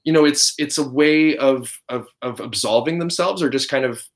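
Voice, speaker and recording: A man's voice: mid-range voice, normal speed. A man from Canada, a guest on a casual video chat, talking earnestly and stopping to search for words.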